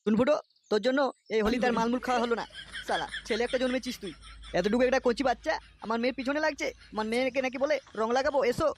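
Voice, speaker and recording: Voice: medium pitch, racing, slight background noise, lightly acted. An actor voicing an irritable male club boss in a comic cartoon, scolding in coarse slang with a West Bengal accent. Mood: angry.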